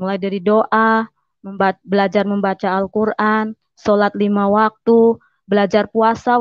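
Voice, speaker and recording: A woman speaks at a moderate pace with a fairly high pitch. It is an ordinary speaking voice. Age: 40s. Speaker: convert giving testimony. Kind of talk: testimony.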